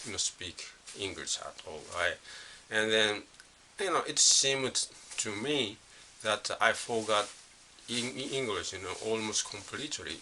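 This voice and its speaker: Halting middle-aged Japanese man, bright edge. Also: on the low side, a little hiss or hum. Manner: halting, leans on constant "you know" fillers and restarts. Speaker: vlogger. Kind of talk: unscripted casual monologue.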